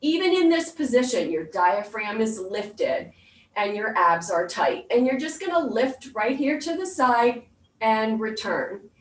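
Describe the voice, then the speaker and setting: A woman with a slightly high voice leads an exercise class as the instructor. She speaks very slowly, giving step-by-step cues and counts. The sound is roomy and echoing, picked up from a distance. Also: very animated. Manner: clear step-by-step cueing. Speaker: fitness instructor. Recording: roomy echo, distant microphone.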